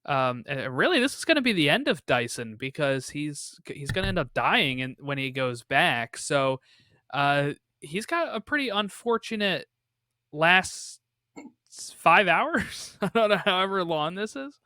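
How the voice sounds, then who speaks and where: Bright-voiced man musing on film. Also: on the high side, big pitch swings, measured pace, no echo, studio quality. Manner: thoughtful, musing, with rhetorical questions. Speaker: podcast co-host. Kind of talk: casual film discussion.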